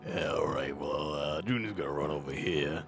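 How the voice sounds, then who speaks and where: A man playing a tabletop game, chatting casually and explaining his rules reasoning out loud. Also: rumbling low, moderate pace, vocal fry, music in the background. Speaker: player.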